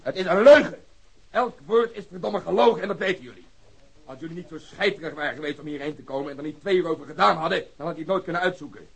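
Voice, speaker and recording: A man's voice: fairly high pitch, breathy edge. An actor playing a sarcastic, hot-tempered male police superior in a radio drama, questioning people with biting, coarse language. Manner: sardonic interrogation, swearing. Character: sarcastic, irate male police detective, middle-aged superior.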